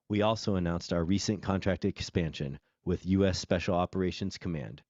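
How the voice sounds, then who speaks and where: A man presenting quarterly results as a company executive, reading prepared remarks in a formal, measured way. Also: sits low, darkish tone, no room sound, muffled recording. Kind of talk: scripted earnings call presentation.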